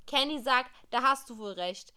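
A woman's voice: sits high, moderate pace, pushed and bright, clean tone. A woman co-hosting a podcast, reading an interactive story game aloud with casual asides.

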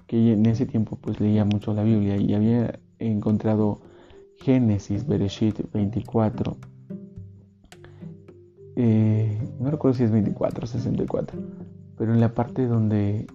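A man's voice: on the low side, flat delivery, measured pace. A man, telling a personal testimony in an earnest, rambling, reflective way. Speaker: storyteller. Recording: dull recording with faint guitar music.

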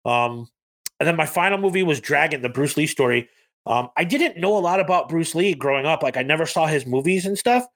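A man's voice: a little high, expressive, a little fast, a bit bright. A man co-hosting a podcast, chatting casually about movies and rambling with lots of ums and likes. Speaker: podcast co-host.

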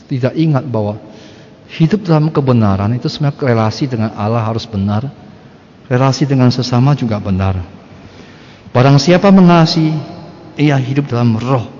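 An older male priest delivers a sermon in a plain, blunt way, often turning to the congregation with rhetorical questions. His voice sits at an ordinary pitch for a man. The recording sounds dull and lo-fi, with a long reverb from a large hall. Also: a little mellow. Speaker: Catholic priest.

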